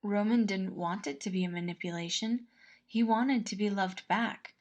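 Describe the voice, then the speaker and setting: A woman reading a scripted story aloud as narrator, expressive and measured. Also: mid-range voice, muffled recording. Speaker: fan-fiction podfic reader.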